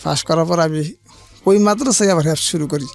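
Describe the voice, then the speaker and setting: Gravelly, higher-voiced male guest, hesitant. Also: brisk, faint music behind. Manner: hesitant, restarts, plain colloquial speech. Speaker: guest telling his life story. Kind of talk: halting personal storytelling.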